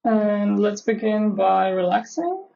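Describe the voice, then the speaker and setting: A woman leading a guided meditation in a measured, instructional way, with long pauses between phrases. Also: medium pitch, lively intonation, gravelly, mellow, muffled recording. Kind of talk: guided meditation, live session.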